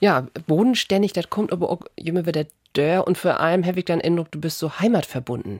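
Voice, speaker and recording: A woman's fairly low-pitched voice with ordinary pitch variation, in a northern Lower Saxony accent. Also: fairly quick pace. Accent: northern Lower Saxon Low German. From Lüneburg Heath, Lower Saxony. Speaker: radio host. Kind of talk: casual interview in Low German.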